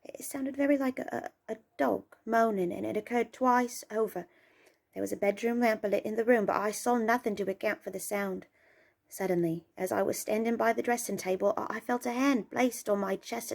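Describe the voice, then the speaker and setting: A woman playing an uneasy young Edwardian housemaid, giving plain, halting witness testimony in a dramatic reading. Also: a little high, creaky, darkish tone. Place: indoors, small room at home.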